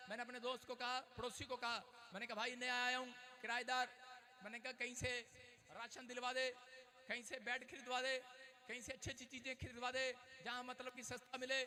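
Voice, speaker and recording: A man from Haryana preaching in church, shouting calls to the congregation and telling jokey stories. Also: very high-pitched, little pitch movement, fairly quick. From Haryana, India. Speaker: pastor. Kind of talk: lively preaching with call-and-response. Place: church service.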